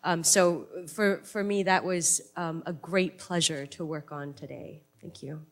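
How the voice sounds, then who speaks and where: A lowish-voiced woman from Singapore speaks with an American accent. She answers panel questions as a theatre director, eager and full of fillers and restarts. She speaks into a handheld mic at a public event. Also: fairly even intonation, unhurried. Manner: enthusiastic, many fillers and restarts.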